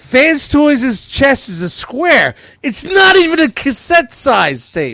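A man talks very slowly at an extremely high pitch. His raised, projected voice swings widely in loudness. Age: 60s. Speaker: toy collecting podcast co-host. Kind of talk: casual chat. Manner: animated.

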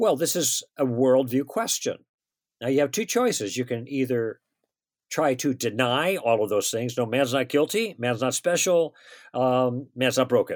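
On a very clean recording with a silent background, a man has an unremarkable speaking voice at a medium pitch. He moves at a moderate pace with ordinary pitch variation. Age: 60s. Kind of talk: interview.

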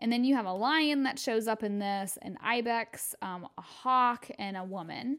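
Here is a woman with a plain, everyday voice, pitched fairly high. She speaks at a fairly slow pace with ordinary pitch variation. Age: 30s. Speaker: podcast host and tarot reader, thanatologist. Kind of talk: tarot reading interview.

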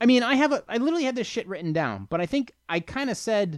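A man rushes at a very fast pace with very wide pitch swings, the sound dry and close with no echo. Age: 30s. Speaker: podcast host and live streamer. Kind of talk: casual chat. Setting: home studio, live streamed.

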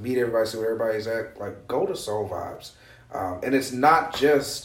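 A medium-pitched man with an American accent at a fairly quick pace, ordinary pitch variation, audible room echo and noticeable background noise. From US Midwest (East Chicago, Indiana), later West Virginia. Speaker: touring keyboard player. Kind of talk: casual interview chat.

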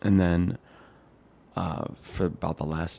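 Very deep and low, a man's voice carries an American accent. The intonation stays fairly even. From Pittsburgh suburbs, US. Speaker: comedian. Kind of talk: casual chat. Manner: deadpan.

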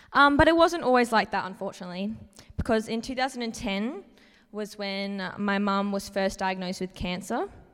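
A woman with an Australian accent talks at a moderate pace and medium pitch, with ordinary pitch variation. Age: young. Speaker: church member. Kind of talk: testimony.

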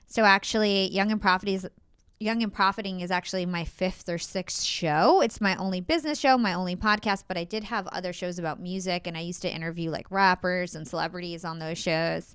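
A plain, everyday voice, this woman with an American accent talks fairly quickly at medium pitch in a very clean recording with a silent background. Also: ordinary pitch variation. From US, Central New Jersey. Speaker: podcast host and media entrepreneur. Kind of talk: interview conversation.

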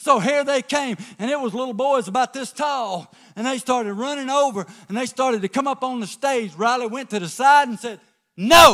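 A man with a Southern US accent, an extremely high pitch and a bright, sharp, raised, projected voice, at a moderate pace with ordinary pitch variation, in a very clean recording with a silent background. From US South. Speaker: guest preacher. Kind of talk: sermon. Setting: church.

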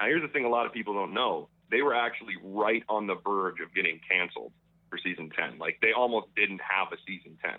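With an Ontario accent, a man talks at a fairly quick pace, fairly low in pitch, with ordinary pitch variation. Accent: Canadian (Ontario). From Toronto area, Canada. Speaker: actor and rapper. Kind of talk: casual chat. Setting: remote call. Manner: animated.

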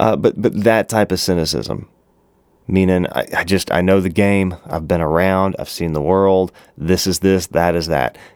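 A very deep, low male voice with an American accent, moderate pace, on a very clean recording with a silent background. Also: ordinary pitch variation. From US South. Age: 40s. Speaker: podcast host. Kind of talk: monologue storytelling. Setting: studio.

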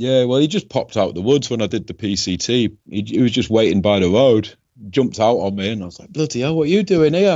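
With a Yorkshire accent, a man at medium pitch speaks at a fairly quick pace, his loudness swinging widely and his pitch swinging very widely. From Yorkshire, England. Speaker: long-distance hiker. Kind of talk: casual interview chat.

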